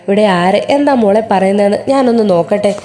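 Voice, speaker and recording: A woman's voice: mid-range voice, fast talker, warm tone, close to an everyday voice. A woman voicing an old grandfather, kindly with the child and firm and questioning when angered. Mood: comforting.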